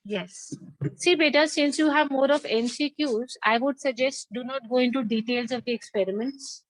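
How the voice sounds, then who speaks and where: A woman with a South Asian accent teaches a biology class in an interactive lecture, repeating key points and prompting students with questions. Her voice is high and her speed normal, captured in a dry, rough recording.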